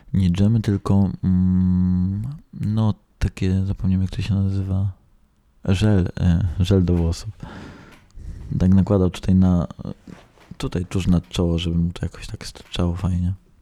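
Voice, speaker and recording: Very deep and low, a man's dark, mellow voice stays in a flat monotone at a fairly slow pace with long, frequent pauses, in a dry, close sound with no echo. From rural Poland. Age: 20s. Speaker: podcaster. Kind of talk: personal monologue. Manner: halting.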